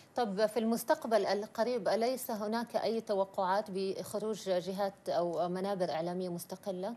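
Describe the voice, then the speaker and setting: A woman's dark, mellow voice at medium pitch, fairly slow, with ordinary pitch variation. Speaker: TV talk show host. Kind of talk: TV interview. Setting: studio. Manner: formal. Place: studio. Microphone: lapel.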